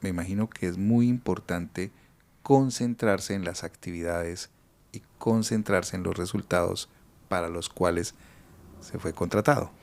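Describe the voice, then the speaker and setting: A man hosting an interview podcast, asking measured, probing questions. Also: low voice, darkish tone. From Colombia. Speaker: podcast host.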